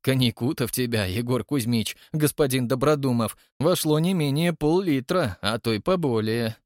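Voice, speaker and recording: A man's voice: mid-range voice, normal speed, darkish tone, no echo, studio quality, natural voice. A man voicing a composed, polite younger man with an ironic manner. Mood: dry.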